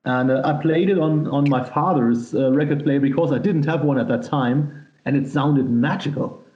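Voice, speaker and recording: A man's voice: a little high, moderate pace. A man with a German accent, a native German speaker and singer, giving enthusiastic, emphatic answers in a casual interview and often repeating words. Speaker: musician, power metal singer being interviewed. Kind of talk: casual interview talk, telling anecdotes. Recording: roomy echo, dull lo-fi sound.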